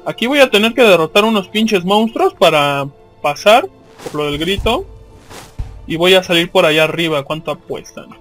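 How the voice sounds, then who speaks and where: A man's voice: high-pitched, lively intonation, normal speed, fairly bright tone, faint music behind. A man with a Mexican accent giving casual, slangy, profanity-laced commentary as he plays a video game.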